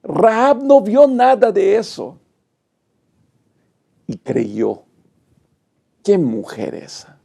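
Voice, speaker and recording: A man's voice: high-pitched, huge pitch swings, very slow, creaky, long pauses, mellow. A middle-aged male pastor, teaching a Bible study lesson with dramatic, emphatic delivery and rhetorical lists.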